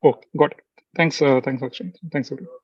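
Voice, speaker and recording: A man's voice: mid-range voice, fairly quick, husky, dry recording. Dull muffled audio, guy analyst asking questions on an investor call, hesitant and polite. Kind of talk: spontaneous earnings call questions.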